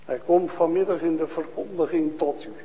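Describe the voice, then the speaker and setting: A man preaching a sermon to a congregation, asking questions and answering them, dropping to a hush and then rising to loud proclaiming. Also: fairly high pitch, fairly even intonation, in a large hall, dull audio. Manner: slow, questioning, swings from hushed to loud proclaiming. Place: church.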